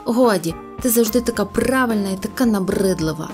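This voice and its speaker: A woman's voice: medium pitch, a little fast, music in the background, natural voice. A woman voicing a mischievous young tomcat brother in an audio storybook, teasing and mocking. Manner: cheeky, mocking. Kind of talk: storybook character voice.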